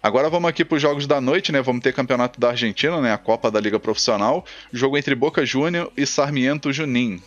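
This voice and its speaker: A young Brazilian man with a Brazilian Portuguese accent, casually talking through football match picks and betting tips, peppering his talk with quick tag questions. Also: medium pitch, fairly bright tone, muffled recording. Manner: chatty, frequent "né?" and "tá, galera?" tags. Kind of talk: casual commentary over screen share.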